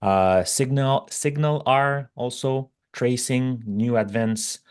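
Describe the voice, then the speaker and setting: A man with a French accent, a guest expert talking casually about technology in halting, non-native English phrasing. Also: mid-range voice, clean tone.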